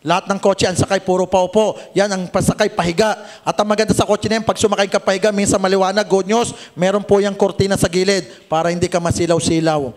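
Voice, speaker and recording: High-voiced man joking through a sales seminar. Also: little pitch movement, fast. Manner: joking, teasing the audience, asks "Tama?" often. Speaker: networking seminar presenter. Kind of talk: sales pitch with jokes to a live audience. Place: seminar room with audience.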